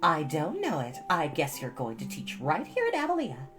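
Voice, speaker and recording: Stout older busybody played by a woman reader: folksy, emphatic, swooping pitch, guitar music underneath. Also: huge pitch swings, moderate pace. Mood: gossipy, emphatic. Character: stout, bossy, gossipy older village woman. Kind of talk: storybook character voice.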